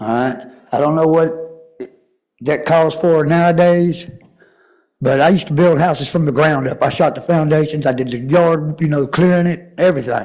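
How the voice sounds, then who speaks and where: A man talks in a Texan accent. His pace is moderate and his intonation fairly even. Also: fairly high pitch for a man. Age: 60s. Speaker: homeowner appealing to city board. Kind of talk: public hearing testimony.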